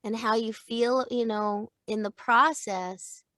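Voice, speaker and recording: A middle-aged woman, a voice-over teacher, chatting in an interview in an animated way, laughing often and acting out example lines. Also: fairly high pitch, slow pace, dry recording, clean studio sound. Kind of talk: casual interview chat.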